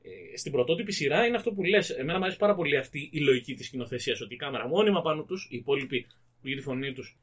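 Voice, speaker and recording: A man's voice: a little high, a bit bright. A young adult man co-hosting a podcast in casual chat, thoughtful and a little hesitant with fillers. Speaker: podcast co-host.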